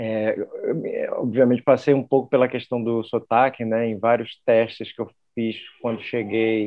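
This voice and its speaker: The pace of this man's speech is fairly slow. His delivery is monotone and flat in intonation. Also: medium pitch for a man. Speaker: actor. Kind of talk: interview. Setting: studio. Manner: halting, many fillers.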